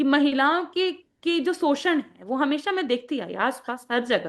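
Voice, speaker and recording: A woman with a Magahi accent speaks with lively intonation. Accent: Magahi accent in her Hindi. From Bihar, Magahi-speaking region. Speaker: party spokesperson. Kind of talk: interview.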